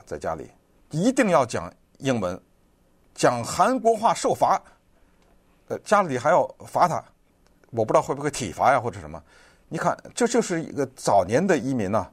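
Male commentator, conversational and digressive, lively swooping intonation, filler-heavy delivery. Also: medium pitch, moderate pace, long pauses, breathy edge. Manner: chatty, digressive, lots of fillers. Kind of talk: casual online commentary.

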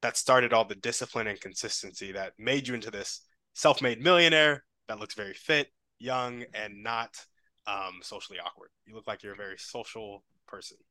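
A man's voice: on the low side, moderate pace, sharp tone, dry recording. A man hosting an interview, affirming the guest and leading with questions. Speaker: interviewer, host. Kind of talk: conversational interview.

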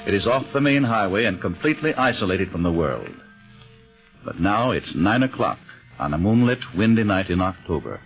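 An actor playing a grave, atmospheric storyteller narrating an old-time radio drama in a dramatic, measured manner. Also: male voice, sits low, sing-song. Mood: ominous. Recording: dull old radio recording, music behind.

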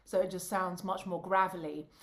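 A woman, an opera singer and voice coach, chatting in a bubbly, animated way and laughing often over a video call. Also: on the low side, normal speed, a little hiss or hum. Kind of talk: casual chat.

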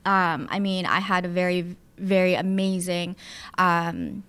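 A woman in her thirties who produces music and owns a studio, born in the Philippines and brought up in Southern California, chats casually as an interview guest, sprinkling in fillers and asides. Her fairly low voice is smooth and slightly bright, unhurried, with lively intonation.

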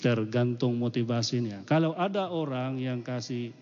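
A man's voice: medium pitch, normal speed, darkish tone, a little hiss or hum. Guy preaching, jokey and chatty, cathedral echo all over, muffled sound. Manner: chatty and joking, laughs between points. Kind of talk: sermon. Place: large church. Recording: dull recording in an echoing church.

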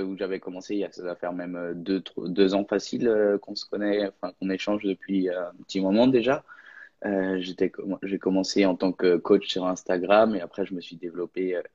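A man's voice: sits low, warm tone. A young man, a guest content creator, talking casually and hesitantly on a live stream. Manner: hesitant, lots of fillers and restarts, laughs easily. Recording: lo-fi online audio.

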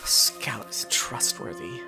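A performer playing a scout reciting a creed slowly and haltingly in an audio drama. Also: over music, lightly acted. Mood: solemn, eerie.

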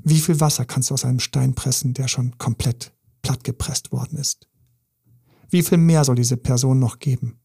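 A man's voice: medium pitch, fairly even intonation, moderate pace, creaky, dark tone, breathy edge. A man, a relationship coach giving an emphatic, intense podcast monologue full of repetition.

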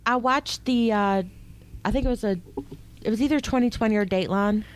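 A woman's voice: on the high side, fairly quick, clear, resonant tone. A woman co-hosting a true-crime podcast, reacting emotionally and talking casually with fillers. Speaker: podcast co-host.

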